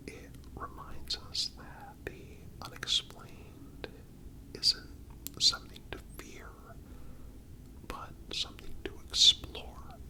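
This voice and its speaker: A man narrating a scripted story for ASMR in a breathy, unvoiced whisper, deliberate and pausing between phrases. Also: bright, forceful tone, rough recording.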